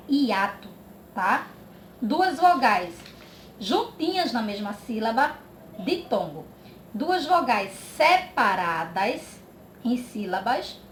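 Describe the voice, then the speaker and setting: Slow, patient woman teacher. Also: on the high side. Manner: slow, drawn-out, checks in with "tá?". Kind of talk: children's grammar lesson. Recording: echoey room with faint background noise.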